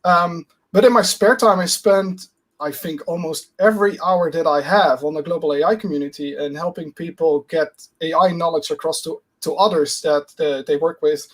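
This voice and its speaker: Man, slightly high voice. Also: steady tone, normal speed. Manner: hesitant, many fillers and restarts. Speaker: guest speaker. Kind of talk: conference talk, casual.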